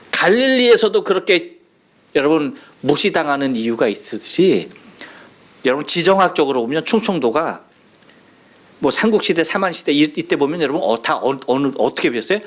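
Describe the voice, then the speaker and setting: In a church sanctuary, a male pastor from Chungcheong, South Korea, preaches a Sunday sermon in his Chungcheong Korean accent, playfully telling stories and mimicking dialect phrases with laughter. His slightly high, a bit bright voice is sing-song and swings widely in pitch, moving at a moderate pace with long pauses.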